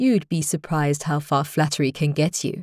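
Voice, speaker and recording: A growling, put-on character voice at middle pitch moves at a moderate pace on a very clean recording with a silent background. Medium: read story. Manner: smooth, mocking.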